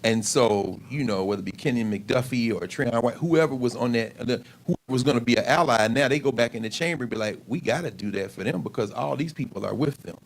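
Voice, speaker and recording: A man making casual remarks at a community forum, with quick asides. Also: medium pitch, gravelly, poor audio.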